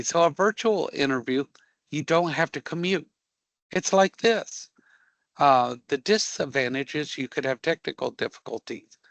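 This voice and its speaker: A man teaching a live career prep class, emphatic and joking, often checking in with a quick "okay?". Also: medium pitch, fairly bright tone, dry recording.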